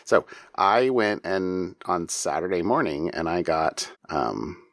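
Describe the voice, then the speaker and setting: A man's voice: deep voice, animated, slow, fairly bright tone, no room sound, studio quality. A middle-aged man co-hosting a podcast, sleepy and yawning, chatting casually in a rambling way with many restarts. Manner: rambling, with frequent restarts and self-interruptions. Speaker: podcast co-host. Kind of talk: casual chat.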